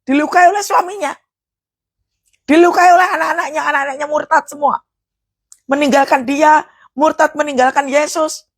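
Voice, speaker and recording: A woman preacher, giving a charismatic sermon. She swings from loud, forceful preaching to hushed prayer. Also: high-pitched, steady tone, normal speed, long pauses, no echo.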